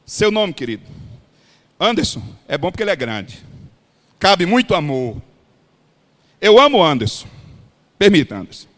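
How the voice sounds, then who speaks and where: A pastor from Ceará with a Cearense Brazilian accent, preaching a blunt, folksy sermon to other pastors. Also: male voice, high-pitched, sing-song, moderate pace, pauses often, a bit bright. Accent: Cearense Brazilian Portuguese. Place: large hall at a pastors' retreat. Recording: long hall reverb.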